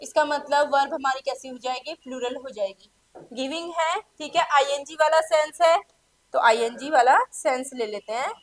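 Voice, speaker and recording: An Indian woman teaching English for an exam, who switches between Hindi and English, reads example sentences slowly, and asks the class questions that she then answers herself. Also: high voice. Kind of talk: exam-prep lesson.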